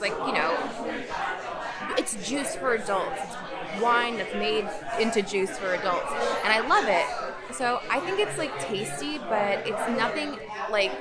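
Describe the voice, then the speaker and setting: A young woman in her twenties vlogging a frank, casual food review on a phone held at arm's length, talking with lots of fillers. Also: fairly high pitch. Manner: chatty, frank, many fillers. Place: busy hotel lounge bar, indoors. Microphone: handheld phone camera at arm's length. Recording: phone video in a noisy bar. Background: loud crowd chatter.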